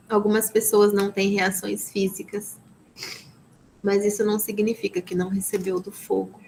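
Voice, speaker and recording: Flat-voiced Brazilian woman teaching church class. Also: mid-range voice, a little hiss or hum, low-quality recording. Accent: Brazilian Portuguese. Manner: peppers speech with "amen?" and "né?" tags; earnest, blessing-filled preaching tone. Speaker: women's ministry teacher. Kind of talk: live online Bible class.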